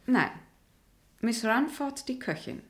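An actress playing a self-assured upper-class witness, deliberate and formal, in a German crime radio play. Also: female voice, a little high, animated.

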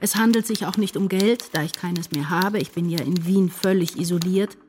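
A woman's voice: lowish voice, normal speed, a little mellow, a little hiss or hum, lightly acted. An actress playing an anguished woman writer, narrating her inner turmoil intensely and introspectively in a literary radio play. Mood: desperate, confessional.

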